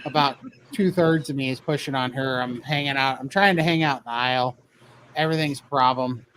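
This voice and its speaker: A man's voice: mid-range voice, fairly even intonation, a little fast, fairly bright tone, a little hiss or hum, rough recording. A man casually telling a funny story about himself, laughing often as he goes. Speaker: guest telling his weight-loss story.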